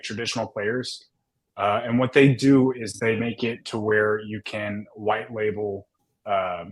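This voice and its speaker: A man's voice: medium pitch, slightly rough, poor audio. A man in his twenties co-hosting a casual podcast, rambling through explanations with many restarts. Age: 20s. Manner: rambling, lots of restarts and fillers. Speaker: podcast co-host. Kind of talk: casual finance discussion.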